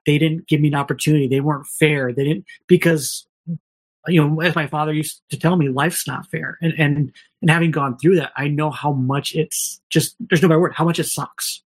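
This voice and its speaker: Candid man telling stories on a podcast. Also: fairly high pitch. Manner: candid, rambling, many restarts and quoted dialogue. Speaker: podcast guest. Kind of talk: casual storytelling.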